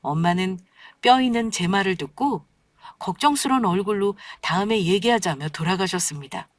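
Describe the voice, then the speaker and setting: A woman's voice: mid-range voice, animated, moderate pace, no echo. Woman storyteller, scripted narration, wry and pointed, dry close mic.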